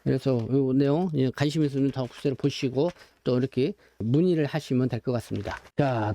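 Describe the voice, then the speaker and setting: A man's voice: mid-range voice, warm tone. A man presenting his newspaper's contents in an informal, explanatory way, talking directly to viewers in a discursive spoken rundown.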